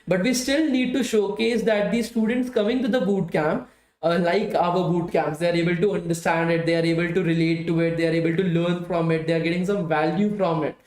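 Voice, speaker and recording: A man's voice: high-pitched, steady tone, fairly quick, a little mellow, echoey room. A man, a tired bootcamp instructor with a strained voice, wrapping up a live coding class and chatting with students. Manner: chatty, repeats "guys" often, pleads for likes. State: tired, strained voice from hours of talking.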